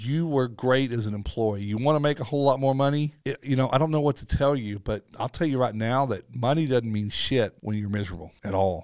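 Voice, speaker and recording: In a normal speaking voice, a man of medium pitch talks at a fairly quick pace with ordinary pitch variation. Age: 50s. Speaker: podcast host and business coach for restoration contractors. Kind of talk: casual solo podcast monologue. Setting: studio.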